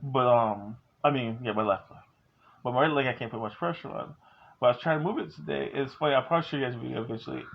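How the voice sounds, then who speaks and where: A man's voice: mid-range voice, fast, creaky, dull audio, a little hiss or hum. A man in his forties talking at home, candid and joking but earnest as he gives advice. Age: 40s. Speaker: vlogger. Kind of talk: casual talk to camera.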